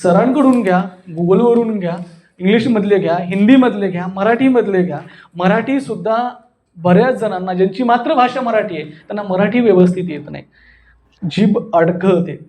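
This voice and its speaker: A man's voice: high-pitched, normal speed, darkish tone. A man with a Marathi accent teaching an interactive public speaking workshop, demonstrating and often checking understanding with questions.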